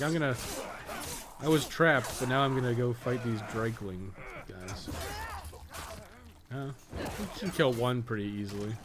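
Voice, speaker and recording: A man giving casual, unscripted gameplay commentary as a streamer, rambling and thinking aloud with frequent swearing. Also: medium pitch. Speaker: game streamer and podcast co-host. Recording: clearly noisy background.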